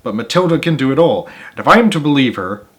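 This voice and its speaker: A man's voice: medium pitch, animated, quick pace, pitched above the performer's own voice, natural voice. A man voicing an earnest female schoolteacher in a storybook, insistent and reproachful. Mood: polite, earnest. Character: Miss Honey, earnest young female schoolteacher losing patience. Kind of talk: storybook read-aloud character voice.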